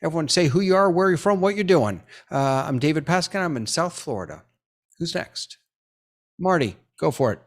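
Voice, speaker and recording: A man's voice: on the high side, lively intonation, moderate pace. A man hosting a live webinar over a video call, chatty and upbeat with lots of fillers. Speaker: webinar host.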